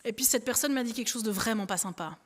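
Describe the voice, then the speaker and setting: High-voiced woman preaching in a reverberant hall. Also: fast talker. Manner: lively, conversational preaching, speaking to a helper and congregation. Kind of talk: sermon illustration with a balloon.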